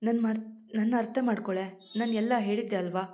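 A woman's voice: a little high, fairly even intonation, brisk, mellow, muffled recording, close to an everyday voice. A woman voicing a loving, emotional young husband who pleads through tears. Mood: pleading, tearful. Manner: pleading, tearful tenderness.

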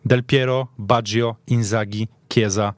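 A man's voice: fairly low pitch, fairly even intonation, a little slow, dry recording. A man giving opinionated, conversational football analysis, often checking in with short tag questions. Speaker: football pundit.

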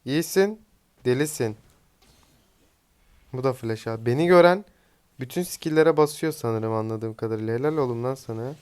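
Young male gaming streamer, smooth clear voice, mid pitch, chatty and teasing play-by-play. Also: brisk, darkish tone. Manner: chatty, teasing, swears casually at teammates. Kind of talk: casual live gameplay commentary.

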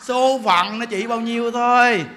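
Southern vietnamese monk preaching, bright sharp voice, keeps laughing and asking the crowd questions. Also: male voice, very high voice, steady tone, measured pace. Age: 40s. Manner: joking, laughing, many rhetorical questions. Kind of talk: dharma talk sermon.

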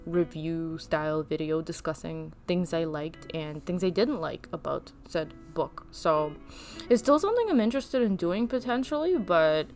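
A woman's voice: deep voice, lively intonation, normal speed, darkish tone, soft background music. A young woman whose first language is Russian, rambling chattily in a casual voice-over while she draws, with fillers and laughs. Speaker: art channel host.

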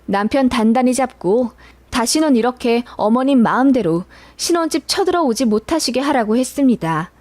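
A woman narrating a first-person radio-style story in an even, confiding retelling, recorded close on a dry mic. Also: fairly high pitch, normal speed, dry recording.

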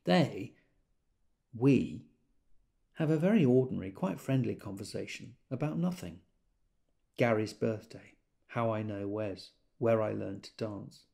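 A man's voice: lowish voice, lively intonation, unhurried, creaky, long pauses, warm tone. An actor playing a wry gay man who tells of a party in an observant, dramatised literary monologue. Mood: reflective.

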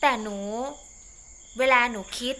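A woman's voice: slow, pushed and bright, a little hiss or hum. A woman voicing a sulky, self-willed young wife who whines and pleads with her mother. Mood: tearful pleading. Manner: whiny, pleading, ends lines with sweet particles.

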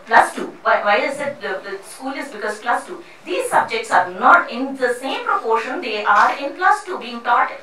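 A middle-aged woman from India addresses a seminar audience through a handheld mic. Her voice is bright and clear, and she talks earnestly, stopping and restarting often. She is picked up from across a boomy, echoing room. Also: big pitch swings, slight background noise. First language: not Hindi; English not first language. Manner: halting, many restarts and fillers, earnest. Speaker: panel speaker. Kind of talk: public talk at a panel. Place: seminar room with a panel seated before a screen. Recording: echoey room picked up from a distance.

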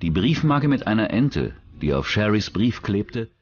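A man's voice: fairly low pitch, very animated, a little slow, muffled recording. A man reading scripted narration for a true-crime documentary.

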